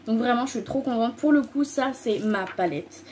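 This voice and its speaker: A woman's voice: fairly high pitch, moderate pace, a little mellow, a little hiss or hum. A woman beauty vlogger chatting casually to the camera, gushing and rambling with lots of repeated "very very" intensifiers. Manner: enthusiastic, piles up repeated intensifiers; loose and rambling, many fillers. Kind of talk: casual chatty haul video.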